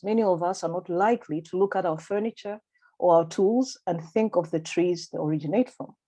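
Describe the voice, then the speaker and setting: A woman with a Malawian accent reading a prepared academic paper at a conference in a measured, formal and deliberate way over a video call. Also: mid-range voice, mellow. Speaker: conference speaker.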